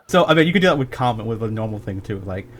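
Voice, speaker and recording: A man's voice: fairly low pitch, lively intonation, rapid-fire, a crowd in the background. Rambling man running a tabletop game. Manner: rambling, full of "like", patiently explaining. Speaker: game master.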